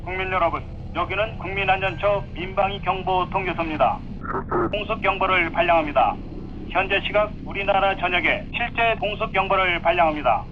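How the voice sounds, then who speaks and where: A man making an official air raid warning over a loudspeaker, formal, stern and measured. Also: sits high. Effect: air raid loudspeaker broadcast. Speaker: civil defense announcer. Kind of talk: official emergency announcement. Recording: dull, noisy loudspeaker sound from far off.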